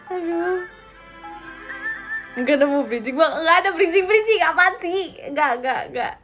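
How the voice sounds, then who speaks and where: A woman's voice: very high-pitched, animated, normal speed, fairly bright tone, soft background music. A twenty-year-old woman on a casual live stream, reading out viewer comments and answering them in a playful, teasing way with a lot of giggling. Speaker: idol livestreamer.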